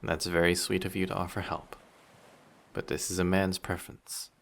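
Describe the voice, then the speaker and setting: A man's voice: deep voice, completely flat delivery, normal speed, creaky, a bit bright. A man playing a handsome, vain, flirty sea monster posing as a passenger in a roleplay audio drama, with a polite, formal, teasing and self-assured manner. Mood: politely evasive.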